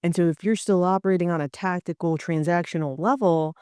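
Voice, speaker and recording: A woman speaks into a close podcast mic with a smooth, resonant voice and a very dry sound. She delivers a motivational talk as an organizational psychologist, pressing her points with emphasis. She builds them in repeated lists. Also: lowish voice, fairly quick, dark tone, no room sound. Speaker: organizational psychologist and career coach.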